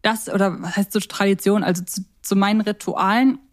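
A woman's voice: medium pitch, fairly even intonation, brisk. A woman chatting casually as co-host of a fan podcast.

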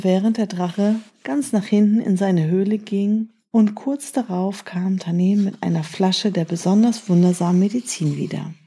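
A woman reads a children's story aloud in a gentle, even way. Her voice is mellow and warm, with a soft breathy quality. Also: medium pitch.

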